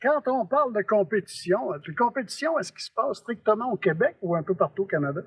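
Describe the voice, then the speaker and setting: A man's voice: high-pitched, expressive, fairly quick, breathy edge, dry recording. A man interviewing a guest, asking short questions with a light teasing edge. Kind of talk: local TV interview.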